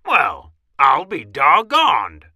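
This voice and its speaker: A man voicing a brave, bossy mouse commanding officer with a squeaky, blustering military delivery for a children's storybook. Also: very animated, slow, creaky, sharp tone, breathy edge, no echo, studio quality, full character voice. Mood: amazed, triumphant.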